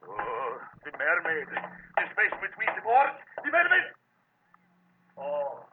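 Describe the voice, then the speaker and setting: A man playing a cowardly, fretful princely sidekick to a crook in radio crime drama, halting and anxious. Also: fairly high pitch, huge pitch swings, heavily acted. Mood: panicked. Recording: distant, muffled, noisy old radio recording.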